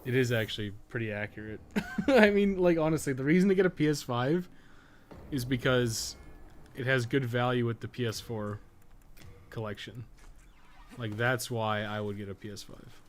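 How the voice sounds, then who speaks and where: A man with a mid-pitched voice talks casually over live gameplay. He is candid and informal, chatting to viewers as he plays. Faint noise and ambience sit behind his voice. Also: normal speed, long pauses. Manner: informal, candid, lightly swearing, conversational. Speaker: game streamer and guide maker.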